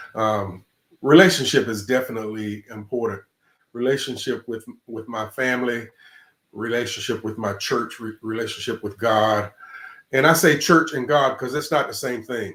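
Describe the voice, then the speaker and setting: In a normal speaking voice, a man talks at a moderate pace with ordinary pitch variation and big swings in loudness. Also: medium pitch for a man. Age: 60s. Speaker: panelist. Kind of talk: panel discussion.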